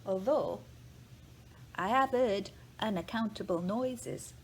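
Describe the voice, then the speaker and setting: A woman playing an earnest, frightened nursemaid of the 1910s, telling a ghost account in a measured, theatrical way. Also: mid-range voice, close to an everyday voice. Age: middle-aged. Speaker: actor in a dramatic reading. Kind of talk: dramatic reading of a first-person ghost account. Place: indoors, large living room. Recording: clear background noise, room ambience.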